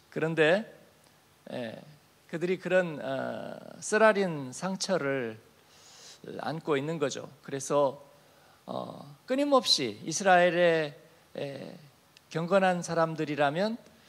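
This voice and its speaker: Long, frequent pauses break up the very slow speech, which has ordinary pitch variation. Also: man. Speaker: pastor. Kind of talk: sermon. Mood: warm, smiling. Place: church. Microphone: handheld.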